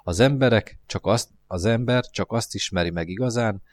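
A man's voice: lowish voice, pitched above the performer's own voice, lightly acted. A man voicing a wistful lonely fox. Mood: pleading. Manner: earnest, pleading, musing. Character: lonely wistful male fox, gentle and wise.

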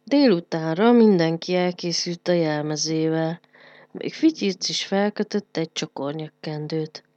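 Woman reading a kids story, lowish voice, close dry mic, kinda dull sound. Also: darkish tone, dry recording. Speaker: narrator.

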